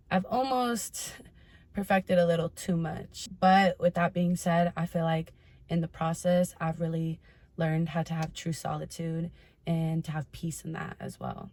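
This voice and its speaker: A woman's voice: on the low side, darkish tone. A woman hosting a casual advice vlog, talking candidly and informally to her followers and swearing freely. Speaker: host of a personal advice vlog. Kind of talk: casual chatty monologue to followers.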